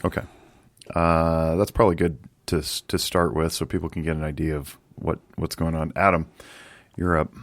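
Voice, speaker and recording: A man's voice: rumbling low, level tone, normal speed, no room sound. A man hosting a podcast interview, chatty and rambling, laughing easily as he talks. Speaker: podcast host. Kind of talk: casual interview chat.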